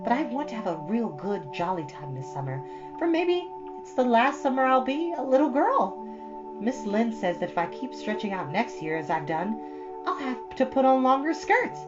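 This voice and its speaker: A woman's voice: fairly high pitch, very animated, normal speed, lo-fi sound, music in the background, voice pushed up. A woman voicing an eager, imaginative schoolgirl in a storybook reading, girlish and effusive, chattering dramatically. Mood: dreamy, eager.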